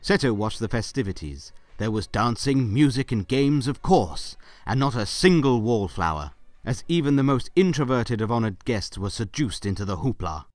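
A man's voice: mid-range voice, lively intonation, normal speed, hardly any pauses, no echo. A man narrating a scripted story for an audio drama.

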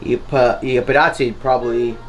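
A man's voice: medium pitch, level tone. Canadian guy, 30s, dentist, choppy russian with english bits, echoey little office. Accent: English-speaking Canadian. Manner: mixes English into halting Russian. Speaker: dental surgeon. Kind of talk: casual interview. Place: small dental office.

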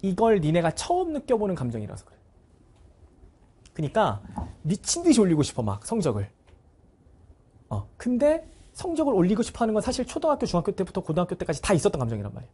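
A man's voice: high-pitched, wildly swooping pitch, fast, warm tone, slightly rough. A male cram school teacher giving a blunt, casual motivational talk to his students. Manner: acts out students' voices in short bursts.

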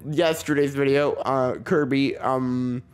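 Slow-talking man with a sore throat. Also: medium pitch, steady tone, clear, resonant tone. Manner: rambling, self-deprecating, chuckles often. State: sore throat with a slight cough. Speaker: gaming channel host. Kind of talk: casual let's play commentary.

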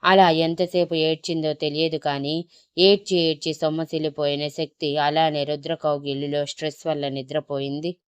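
Low-voiced woman storyteller. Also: moderate pace, smooth, dry recording. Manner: steady, flowing storytelling. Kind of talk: emotional story narration.

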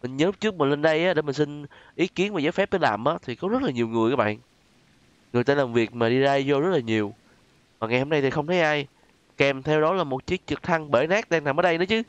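A man's voice: mid-range voice, no room sound, dull audio. A man with a southern Vietnamese accent giving chatty, exclamatory gameplay commentary and often addressing his viewers. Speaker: gaming YouTuber host. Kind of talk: casual gameplay commentary with role-play.

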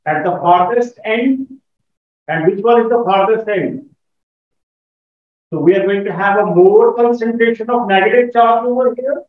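A man's voice: high-pitched, unhurried. Middle-aged male teacher, South Asian accent, encouraging questioner, recorded distant and slightly dull in a very reverberant classroom. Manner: encouraging, checks understanding often. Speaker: physics teacher. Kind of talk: classroom lesson, questioning students. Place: indoor classroom at a whiteboard. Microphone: far camera. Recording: echoey room, far mic, slightly dull.

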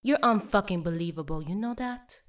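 A woman's voice: mid-range voice, expressive, moderate pace, close to an everyday voice. A woman playing a tough, fiery Latina mechanic, blunt and protective, in an audio story. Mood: angry. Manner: biting, confrontational. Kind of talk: audio fiction dialogue.

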